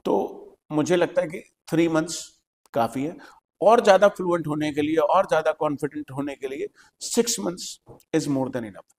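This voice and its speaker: A man's voice: fairly high pitch, lively intonation, a little slow, creaky, darkish tone, in a large hall. A man with an Indian accent, an English teacher hosting a podcast, explaining patiently and repeating his key points.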